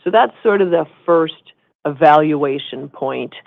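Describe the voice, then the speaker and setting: A woman chief executive answering questions on an earnings call in a measured, explanatory way. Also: low voice, expressive, creaky, dry recording. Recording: muffled narrowband conference phone line.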